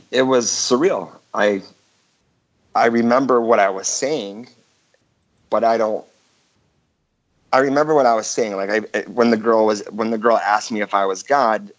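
A male caller on a call-in show, recounting a story with many restarts and fillers. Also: lowish voice. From Michigan, USA. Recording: dull phone-line call.

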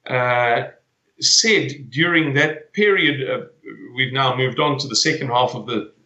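A man's voice: medium pitch, measured pace, bright, forceful tone, reverberant, lo-fi sound. A man in his forties from South Africa, talking as a guest in a conversational interview, often hesitating and repeating words as he searches for them. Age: 40s.

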